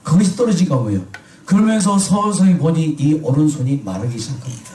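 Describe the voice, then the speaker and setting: Male pastor, fairly high voice, questioning the congregation, recorded from a distance in a reverberant hall. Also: expressive, a little fast, dark tone. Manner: asks the congregation questions and answers himself. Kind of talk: sermon.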